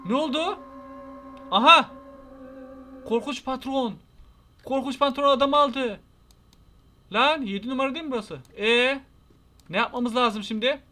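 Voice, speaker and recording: A young man with a Turkish accent giving casual let's-play commentary, chatty and talking to his viewers, with excitable yelps when startled. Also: high-pitched. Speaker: gaming YouTuber.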